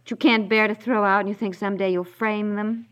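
A woman playing a brisk, practical wife and mother in a naturalistic 1950s radio comedy, chatty and wry with gentle exasperation. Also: mid-range voice, steady tone, close to an everyday voice. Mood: brisk, rueful. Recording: dull vintage 1950s radio recording.

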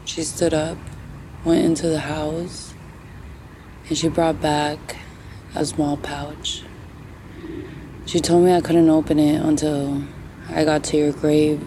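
A woman playing a grieving young grandchild in a hushed, halting, intimate audio fiction monologue. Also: low-pitched, level tone, a little hiss or hum. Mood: tender, grieving.

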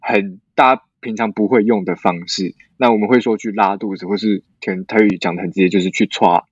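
A man's voice: on the low side, steady tone, brisk, no echo, lo-fi sound. A man co-hosting a casual language-learning podcast, playfully prompting questions and jokes. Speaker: podcast co-host.

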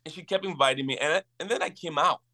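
Bright-voiced young man telling his story. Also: fairly high pitch, quick pace. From Liberia. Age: 20s. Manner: earnest, animated storyteller. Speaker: campus minister, guest. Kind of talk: casual interview storytelling.

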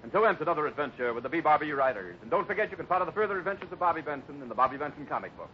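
A man's voice: fairly high pitch, lively intonation, racing, very noisy. A man announcing a radio show in scripted 1950s style. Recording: muffled old radio recording. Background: music.

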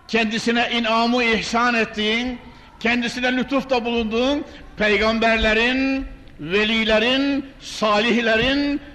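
A man's voice: high voice, pushed and bright. An older man delivering a fervent, emphatic sermon at a pulpit microphone in a large mosque, swelling into declamation with Arabic recitation. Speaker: imam preaching. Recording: long mosque hall reverb.

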